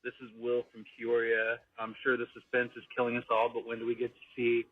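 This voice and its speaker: A man's voice: medium pitch, completely flat delivery, a little fast, slightly rough, dry recording. A man calling in to a radio show with a joking, upbeat voice message. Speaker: caller leaving a voice message. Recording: tinny phone message, far from mic.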